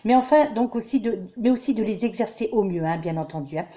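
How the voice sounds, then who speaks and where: A woman giving a tarot reading for the week, talking to viewers as dear friends, halting, with many fillers and restarts. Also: mid-range voice, lively intonation, dull audio. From France. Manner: addresses listeners warmly as dear friends. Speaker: tarot reader giving weekly guidance. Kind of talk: casual spiritual monologue to viewers.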